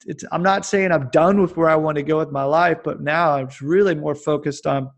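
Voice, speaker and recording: On the podcast, this guest, a man in his forties from Kansas, wanders through a casual conversation he admits is babbling. He talks briskly in a voice on the high side, keeping an even tone with vocal fry.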